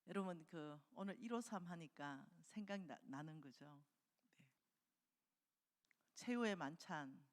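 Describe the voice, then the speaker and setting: A woman preaching a revival sermon in a church, telling the story with lively acted-out dialogue. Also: fairly low pitch. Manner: animated storytelling, acting out quoted dialogue. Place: church sanctuary. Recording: long hall reverb.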